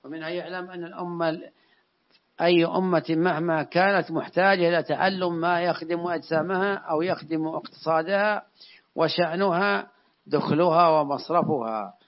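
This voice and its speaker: A man's voice: a little high, normal speed. A man preaching a formal sermon in a solemn, oratorical manner, now and then repeating a phrase as he goes. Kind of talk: formal sermon in classical Arabic, reciting scripture quotations. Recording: dull, lo-fi recording.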